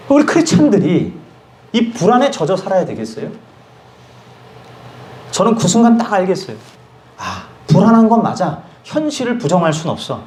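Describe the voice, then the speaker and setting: A young man preaching a sermon as pastor of a small church, telling stories in a lively preaching manner. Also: high-pitched. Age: young adult. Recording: echoey church room, faint noise.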